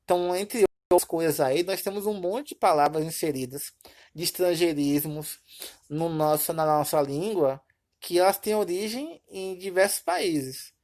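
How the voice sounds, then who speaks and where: A woman's voice: fairly low pitch, normal speed, a little mellow. A woman from Brazil teaching a recorded Portuguese lesson, explaining step by step and often checking in with her students. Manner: explanatory, repeats points with "tá bom?" checks.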